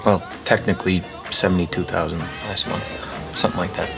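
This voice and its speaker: A man's voice: deep voice, steady tone, moderate pace, vocal fry. An actor playing a laid-back, self-assured moneyed man who speaks offhandedly, with film music behind. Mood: offhand.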